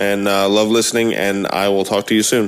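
A man speaks at a fairly low pitch and a fairly quick pace. There is noticeable background noise. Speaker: website owner, podcaster. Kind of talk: call-in question.

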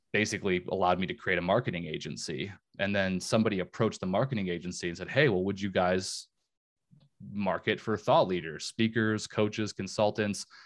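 A man with a normal speaking voice, fairly low pitch and an American accent, at a fairly quick pace with ordinary pitch variation, in a very clean recording with a silent background. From Minnesota. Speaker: software and coaching company founder. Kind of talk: interview.

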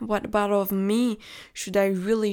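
A woman with a French accent, medium in pitch, at a very slow pace, in a very clean recording over a silent background. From France. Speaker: emotional mastery coach and podcast host. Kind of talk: solo podcast monologue. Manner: warm and enthusiastic.

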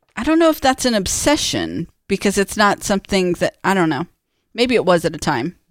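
Over a very clean recording with a silent background and dry, close sound with no echo, a woman speaks fairly quickly with vocal fry and very wide pitch swings. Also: medium pitch for a woman, very even loudness. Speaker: podcast co-host and coach. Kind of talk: casual chat. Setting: studio with live stream. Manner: soft-spoken.

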